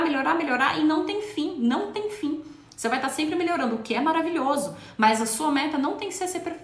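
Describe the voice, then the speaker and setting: High-voiced woman talking to parents, echoey. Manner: emphatic, repeats words for stress. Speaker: parenting educator. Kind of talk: talk to viewers.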